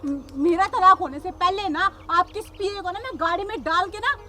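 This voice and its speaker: A woman playing a sharp-tongued young daughter-in-law cop. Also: extremely high pitch, normal speed, slight background noise. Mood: defiant. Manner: combative, lecturing, repeats "samajh gaye". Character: defiant young daughter-in-law police officer.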